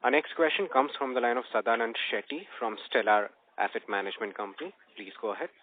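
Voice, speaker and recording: A man's voice: medium pitch, lively intonation, quick pace, no echo. Indian male call moderator, tinny line. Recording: dry tinny phone conference line.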